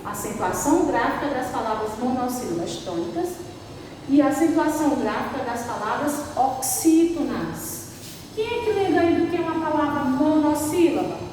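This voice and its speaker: A woman teaching a language lesson, stretching out examples slowly and checking with "right?" after nearly every point. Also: sits high, animated, darkish tone. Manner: slow, drawn-out spelling of examples, constant "certo?" checks. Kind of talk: recorded online class. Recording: distant echoey room recording, faint background noise.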